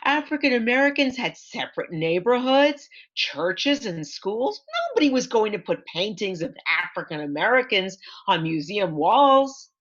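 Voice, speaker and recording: A woman author reading her picture book aloud to children in an expressive storytime manner, with asides to point things out. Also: medium pitch, moderate pace, few pauses, muffled recording. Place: online library event.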